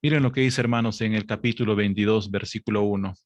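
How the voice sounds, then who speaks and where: A man preaching a sermon, speaking to the congregation as brothers and sisters, reading scripture slowly and building up to emphatic, raised passages. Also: fairly low pitch, fairly even intonation, no room sound. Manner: reads scripture aloud with slow, stressed delivery.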